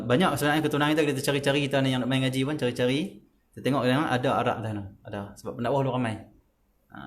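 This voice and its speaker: A man from Malaysia, giving a lively, emphatic religious lesson in a conversational way. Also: mid-range voice. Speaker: religious teacher.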